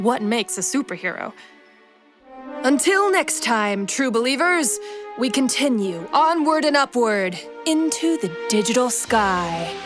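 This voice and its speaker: A woman giving theatrical, announcer-like scripted narration for a fiction podcast. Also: a little high. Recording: loud music behind the voice. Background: loud music.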